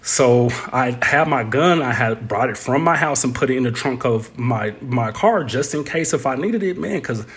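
Talking loosely through a personal story as an interview guest, this man leans on "you know" and "pretty much" again and again. He sounds husky and animated in a mid-range voice, keeping a moderate pace with hardly any pauses.

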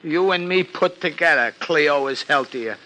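Give this one a high, very sharp, forceful voice: an anxious New York florist, devoted to his wife and close to tears. He talks in slangy tough-guy street talk with mangled grammar, in the manner of 1950s radio drama. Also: unhurried, poor audio. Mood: agitated, insistent.

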